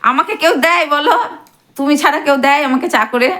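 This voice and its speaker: A woman's voice: high-pitched, quick pace, pushed and bright. A middle-aged woman chatting casually to her viewers at home, teasing and affectionate, talking to camera on a phone. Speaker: vlogger. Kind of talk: casual home vlog chat. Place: at home, bedroom and kitchen.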